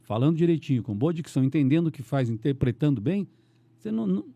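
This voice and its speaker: Fast-talking rambling male radio announcer. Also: fairly high pitch, creaky, no room sound. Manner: rambling, animated, restarts often. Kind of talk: casual podcast conversation.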